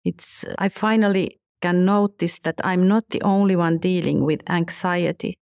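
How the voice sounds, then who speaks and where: Halting low-voiced woman, non-native English. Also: steady tone, creaky, darkish tone, no room sound, clean studio sound. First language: neither English nor Finnish. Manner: halting, with frequent restarts and searching for words. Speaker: guest speaker. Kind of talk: conversational interview.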